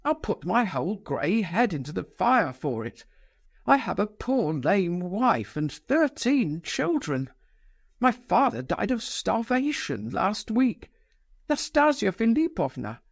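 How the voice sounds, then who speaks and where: A man's voice: high voice, very animated, takes it slowly, vocal fry, no echo, pitched above the performer's own voice, heavily acted. A male audiobook reader voicing a desperate, grey-haired little man who wails and begs on his knees. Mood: pleading. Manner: pleading, wailing.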